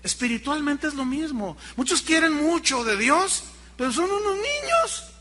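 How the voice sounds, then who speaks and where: An animated preacher delivering a sermon, acting out everyday scenes as he talks. His voice sits high and swings widely in pitch, with a very bright edge. It rings with a long reverb, as from a large hall. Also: unhurried. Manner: animated, acts out dialogues.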